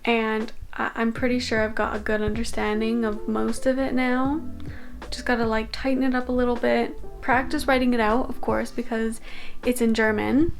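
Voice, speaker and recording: A young woman from Canada chats to her vlog camera with a slightly high voice. She rambles easily, dropping fillers and small laughs. Soft music plays underneath. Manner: chatty, filler-heavy, laughs often. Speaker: vlogger. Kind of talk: casual vlog talk to camera.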